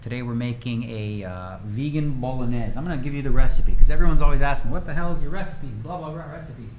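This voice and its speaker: A poker streamer in his forties chats energetically and rambles while streaming from his home room. His medium-pitched, slightly mellow voice moves fast, with slight background noise.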